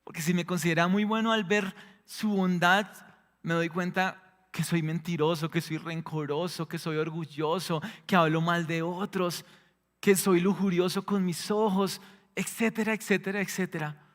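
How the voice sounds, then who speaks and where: A man preaching a sermon as pastor, dramatic, swinging between loud exclamations and hushed lines. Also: high voice, fairly even intonation, moderate pace. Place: church hall. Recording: long hall reverb.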